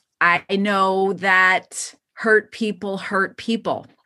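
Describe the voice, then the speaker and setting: A woman with an American accent, a bright, sharp tone, medium pitch, monotone, flat intonation and a very slow pace. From Chicago, then Connecticut. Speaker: bereaved mother and nonprofit founder. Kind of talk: interview conversation. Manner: hesitant with many fillers.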